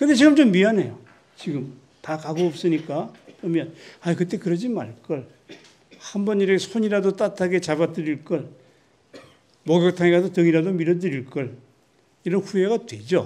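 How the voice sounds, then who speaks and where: At a moderate pace, this voice has a dark, mellow tone and long, frequent pauses. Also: man, high pitch for a man, lively intonation. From Korea, Gyeongsang-Chungcheong border near Gubyeongsan. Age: 70s. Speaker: poet. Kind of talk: public lecture. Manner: conversational, repetitive.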